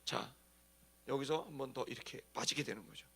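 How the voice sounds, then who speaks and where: A man's voice: medium pitch, a little fast, vocal fry, slightly rough. A man preaching as a pastor, telling stories in a colloquial, dramatic way with acted-out emphasis. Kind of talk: animated sermon with storytelling.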